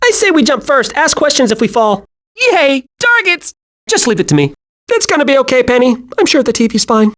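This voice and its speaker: In an animated video game, a man voices a cheerful, scatterbrained young male squirrel who is excitable, hyper and eager. The full character voice is very high-pitched, brisk and childlike.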